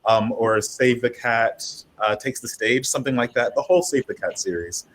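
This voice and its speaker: A husky male voice sits at a medium pitch. He talks informally, like a writer sharing thoughts with fellow panelists. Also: normal speed, fairly bright tone. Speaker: audio drama writer and panelist. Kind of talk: casual panel talk.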